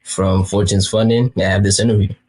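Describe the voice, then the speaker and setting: Speaking fairly quickly in a low, level, somewhat mellow and husky voice, a young man from Kenya talks trading over a video call. He is a native Swahili speaker and the guest trader in a casual interview, keeping things relaxed and slangy.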